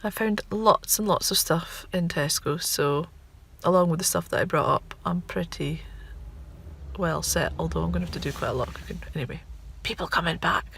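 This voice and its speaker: Female vlogger, Shetland accent, gravelly fry, wry rambling chat, some background noise on the recording. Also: lowish voice, moderate pace, fairly bright tone. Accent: Shetland Scots. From Shetland, Scotland. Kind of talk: casual vlog chat.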